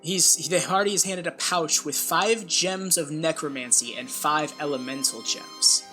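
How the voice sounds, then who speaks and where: Chatty, low-voiced woman game master. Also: moderate pace, bright, forceful tone, soft background music. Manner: chatty, laughs easily, rambling. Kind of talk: narrating a tabletop game.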